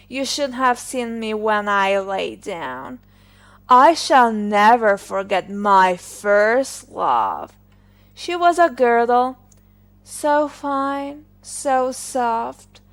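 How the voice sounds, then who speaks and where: A vain, flirtatious gentleman of a shirt collar played by a woman reading a storybook. He boasts pompously in exclamations, slowly and in a high register. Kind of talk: fairy-tale storybook character reading.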